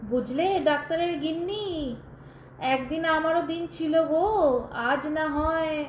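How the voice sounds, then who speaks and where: Actress as a high-voiced, bitterly ironic widow. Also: female voice, slow pace. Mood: wistful irony. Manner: pointed, ironic, dramatic storytelling. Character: bitter, sardonic widowed woman telling her tragic story. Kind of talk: Bengali audio drama acting. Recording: roomy echo, faint background noise.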